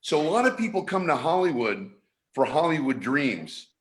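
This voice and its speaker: A man's voice: a little high, big pitch swings, moderate pace. A middle-aged man from San Francisco hosting a live online show, talking casually with many restarts and fillers. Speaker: show host. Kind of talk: casual live-stream talk.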